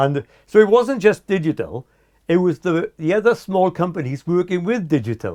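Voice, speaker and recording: A man with a Welsh accent speaks at a high pitch in a dry, close sound with no echo, very cleanly recorded against a silent background. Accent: Welsh, noticeable. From South Wales mining valleys. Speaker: former computer customer, IT manager. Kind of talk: interview, reminiscing. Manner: halting, repeats words.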